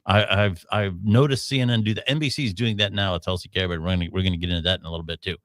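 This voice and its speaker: A man's voice: low-pitched, steady tone, rapid-fire, a bit bright, dry recording, studio quality. A man hosting a live podcast, giving opinionated commentary in a rambling way with frequent restarts. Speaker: podcast host.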